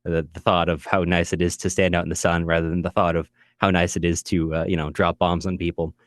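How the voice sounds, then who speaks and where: Co-hosting a podcast, a Californian man with an American accent talks through books casually, thoughtful with a bit of wry humor. He has a low voice and a flat, brisk delivery, recorded without any room sound.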